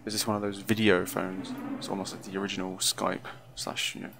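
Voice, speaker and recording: Low, creaky-voiced man musing over a game. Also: flat delivery, a little fast. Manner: hesitant, musing aloud, trailing off. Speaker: game player giving commentary. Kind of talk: casual first-impressions game commentary. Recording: clearly noisy recording.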